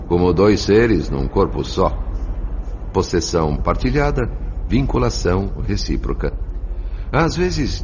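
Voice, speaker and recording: Narrador brasileiro de voz bem grave. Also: male voice, low voice, darkish tone. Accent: Brazilian. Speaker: audiobook narrator. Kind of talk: scripted dramatic narration of a radio novel. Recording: muffled audio with music underneath.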